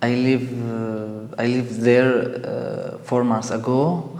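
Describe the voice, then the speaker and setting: A man with a Kurdish accent speaks at a very slow pace in a monotone, flat intonation. The recording has audible room echo and noticeable background noise. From Syria, Kurdish region (Amuda). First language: Kurmanji Kurdish. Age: 20s. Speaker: interpreter for refugee NGO. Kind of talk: interview testimony. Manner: halting, many fillers.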